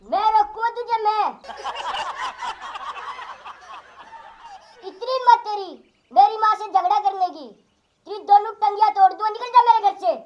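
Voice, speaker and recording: Squeaky cartoon young husband, as a performer voices him. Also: normal speed, dull audio. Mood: angry. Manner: pleading, then angry. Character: young husband caught between wife and mother.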